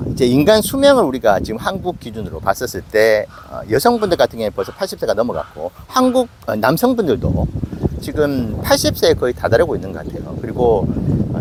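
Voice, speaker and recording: Lively-voiced man in his late forties. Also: mid-range voice, heavy background noise. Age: 40s. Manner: conversational, self-questioning with acted asides. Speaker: investment channel host. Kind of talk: casual investing talk to camera.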